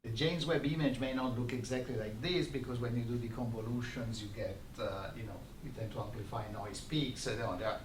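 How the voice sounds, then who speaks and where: A man gives a scientific colloquium lecture in a medium-pitched voice. His explanations are halting, with repeated words. The recording is reverberant and distant, with clear background noise. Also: steady tone. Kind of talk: academic lecture with slides. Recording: roomy, noisy lecture recording from far off.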